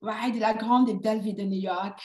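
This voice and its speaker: A woman's voice: medium pitch, steady tone, fairly quick, dark tone, roomy sound. A woman from Canada hosting an online Christian finance challenge, talking energetically to a live audience, mixing in English words and repeating herself before leading a prayer. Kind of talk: live-streamed teaching and prayer.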